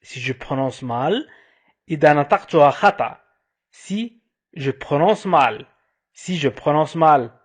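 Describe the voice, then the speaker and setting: A man teaching a language lesson, saying each phrase slowly over and over, then quickly glossing its meaning. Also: a little high, expressive, slightly rough. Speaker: French teacher. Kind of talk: slow repetition drill with translations.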